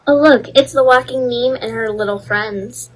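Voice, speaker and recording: A woman playing a snooty, short-tempered schoolgirl bully with a bossy, mocking manner in an animated roleplay story. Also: fairly high pitch, normal speed, natural voice, rough recording. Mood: smug, mocking.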